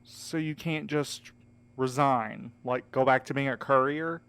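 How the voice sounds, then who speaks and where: A man's voice: medium pitch, steady tone, measured pace, a bit bright, smooth. A man playing an easygoing, encouraging courier in an audio drama, earnest, casual and coaxing. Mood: probing. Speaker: voice actor in a fiction podcast. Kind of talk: scripted audio drama acting.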